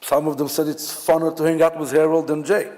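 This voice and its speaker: A man from Israel with an Israeli accent, giving a memorial eulogy in a halting, reflective way with many fillers and restarts. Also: a little high, flat delivery, dark tone. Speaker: officiant at a memorial service. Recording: long hall reverb.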